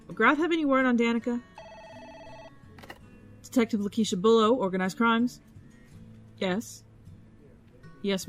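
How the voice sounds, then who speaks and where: A woman's voice: on the high side, lightly acted. An actress playing a stubborn, stressed woman detective with a terse, dry delivery in an audio drama. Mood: brisk. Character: stressed, stubborn, guarded female police detective. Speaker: police detective.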